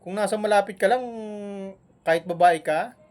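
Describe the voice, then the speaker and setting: A man scolding and mocking a rival on a live stream, with taunting jabs and long humming pauses between them. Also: high voice, faint music behind. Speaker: vlogger.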